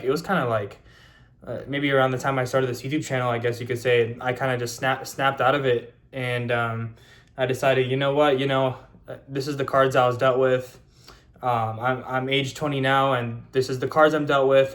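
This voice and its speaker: A man's voice: mid-range voice, fairly bright tone. A young man in his early twenties speaks straight to his camera with a mid-range voice. He rambles loosely and leans on fillers, restarting his sentences as he goes. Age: 20s. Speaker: YouTuber. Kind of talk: casual vlog monologue.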